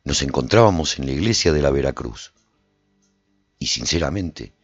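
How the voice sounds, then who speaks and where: An actor playing a weary swordsman who narrates his post-apocalyptic adventure in a radio drama, husky and theatrical. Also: very deep voice, lively intonation, normal speed, no room sound, highs cut off, soft background music, full character voice. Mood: grave, tense. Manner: intense, theatrical. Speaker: narrator and protagonist.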